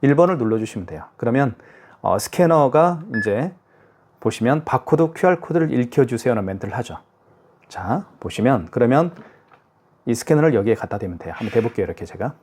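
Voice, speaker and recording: With a medium-pitched, darkish voice that has a breathy edge, this product demonstrator is very animated and a little fast. He chats casually through a tutorial, narrating each step aloud, checking in with the viewer, and often using "자" and "그죠?"; faint hiss and device clicks are audible.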